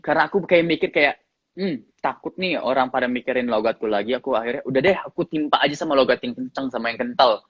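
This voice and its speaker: A man with a slight English accent in his Indonesian, an actor chatting casually in an interview, relaxed and often laughing. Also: medium pitch, fast talker, husky, no echo, dull audio. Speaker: actor guest.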